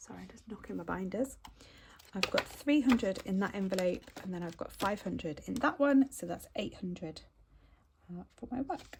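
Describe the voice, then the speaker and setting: A woman with an unremarkable speaking voice talks at a moderate pace, her medium pitch carried by lively intonation and big swings in loudness. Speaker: budgeting vlogger. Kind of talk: casual chat.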